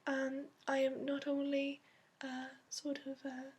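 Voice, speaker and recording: A woman voicing a patient dragon expert in an ASMR roleplay, soft-spoken and hesitant, with a put-on accent. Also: sits high, completely flat delivery, slow pace. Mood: gentle, encouraging. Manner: hesitant, gentle, meandering explanations with frequent fillers. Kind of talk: ASMR roleplay, hushed and improvised.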